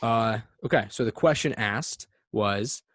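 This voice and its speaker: A man's voice: fairly low pitch, a little slow, a bit bright, no room sound. Dry-voiced joking male podcast host. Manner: joking, profane, rambling. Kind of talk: casual podcast chat.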